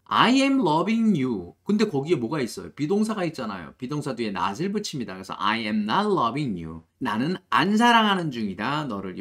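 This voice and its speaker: A man teaching an English grammar lesson, reading example sentences slowly and asking rhetorical questions to the learner. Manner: slow, drilled example sentences, lively pitch.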